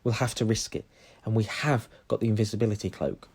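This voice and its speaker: A man's voice: fairly low pitch, fairly even intonation, a little fast, darkish tone, slightly rough. A man voicing a determined teenage schoolboy, firm and practical, close to his own voice.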